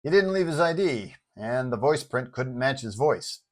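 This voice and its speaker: Man playing a deadpan, collected sidekick. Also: medium pitch, normal speed, natural voice. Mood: dry, teasing. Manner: deadpan, dismissive, sly. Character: calm, dry, collected male right-hand man.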